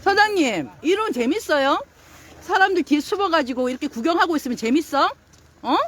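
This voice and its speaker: A woman's voice: high-pitched, lively intonation, fairly quick, a bit bright, a little hiss or hum. A woman at an outdoor protest who scolds the police, insistent and repeating her demands. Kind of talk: heated street confrontation.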